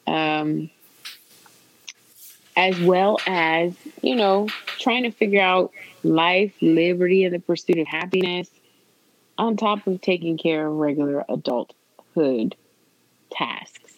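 A woman's voice: lowish voice, takes it slowly, pauses often, muffled recording, a little hiss or hum. A woman with a Puerto Rican accent, co-hosting a podcast in casual, candid chat with blunt, wry remarks. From Puerto Rican, raised in the US South. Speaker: podcast co-host.

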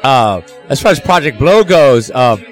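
A man's voice: medium pitch, very animated, measured pace, faint music behind. A man in his thirties, a rapper raised in Los Angeles whose first language was Spanish, telling stories in a casual backstage interview with lots of fillers and slang. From Los Angeles area, of Salvadoran family. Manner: rambling storyteller, many fillers and slang. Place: backstage at a live hip hop show.

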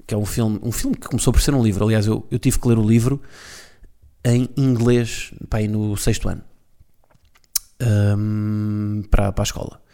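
A man's voice: on the low side, steady tone, normal speed, long pauses, dark tone. A man with a European Portuguese accent, hosting a casual solo podcast from home, rambling with jokes and self-correcting asides. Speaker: podcast host. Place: at home alone.

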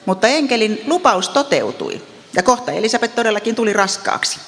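A woman with an Ostrobothnian accent, telling Bible stories in a devotional talk with chatty asides and gentle humor. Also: a little high, sing-song, in a large hall. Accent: Ostrobothnian Finnish. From Ostrobothnia, Finland. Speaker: Bible teacher.

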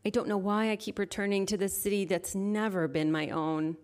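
A woman speaking as a poet at a live reading, with measured, deliberate phrasing into an event microphone. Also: mid-range voice, steady tone, a little mellow. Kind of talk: live poetry reading with informal introduction. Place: live literary event before an audience.

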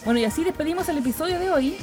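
Young Chilean woman, casual podcast host, slangy chat, frequent laughs, slightly high voice, faint music behind. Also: lively intonation, racing. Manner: chatty, slangy, laughs often.

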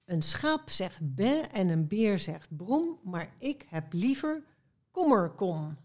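A woman voices a storybook poet who takes himself very seriously. He is gruff and instructive, with a soft, mellow timbre and weighty pronouncements. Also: on the low side, sing-song, takes it slowly, exaggerated voice. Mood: weighty, proud. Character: gruff, self-important male poet, earnest and sighing. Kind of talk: storybook read aloud.

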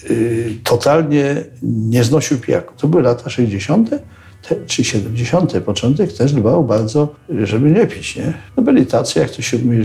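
Older man, gravelly. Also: mid-range voice. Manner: animated storyteller who acts out quotes and tags lines with "nie?". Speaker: interviewee recalling militia days. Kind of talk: casual anecdote telling.

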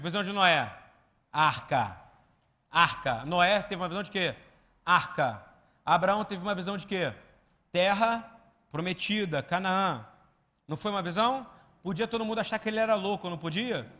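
A man preaching a sermon, asking the congregation question after question and acting out the voices he quotes, swinging between loud and soft. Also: high voice. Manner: call-and-response preaching with many rhetorical questions. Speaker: pastor. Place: church hall. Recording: long hall reverb.

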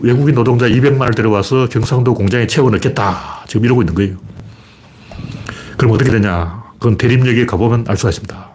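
Blunt and colloquial, this middle-aged livestream host runs a one-man political commentary show. His voice sits at medium pitch with a slightly mellow quality, and he answers his own rhetorical questions.

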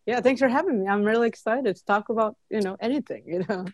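A woman's voice: a little high, quick pace, dry recording. A woman in her thirties from Japan with a Japanese accent, a guest chatting casually and saying "like" a lot. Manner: relaxed, chatty, says "like" often. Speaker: guest jazz pianist. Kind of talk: casual interview chat.

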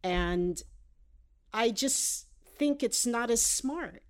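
An older American woman, a television writer, speaking as a guest in a casual interview, measured and reflective. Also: fairly high pitch, animated. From United States. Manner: measured, reflective, thinks aloud.

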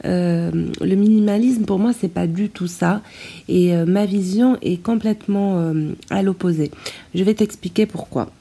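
Low quality recording of a mellow woman podcaster. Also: a little slow, vocal fry, husky. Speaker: podcast host. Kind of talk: informal solo podcast talk. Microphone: tablet's built-in microphone, no proper mic. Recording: low quality stream, muffled tablet microphone.

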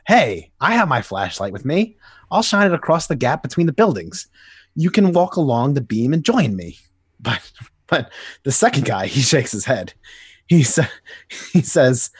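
A man voicing a manic, menacing male clown villain in a dramatic comic reading, theatrical and husky. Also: medium pitch, dry recording, clean studio sound. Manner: theatrical, swings between menace and giggling.

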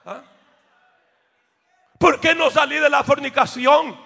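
Preacher guy, high gravelly voice, yells then goes quiet, church echo. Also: fairly even intonation, slow pace, a faint crowd. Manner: swings between shouting and near-whispered asides, calls out to the congregation. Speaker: pastor. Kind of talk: fiery sermon.

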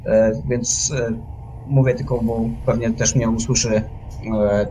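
Male tabletop gamer, average pitch, narrating his own character's moves, noisy setting. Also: little pitch movement, takes it slowly. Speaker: tabletop game player. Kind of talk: improvised role-play, describing own actions. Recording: clearly noisy background.

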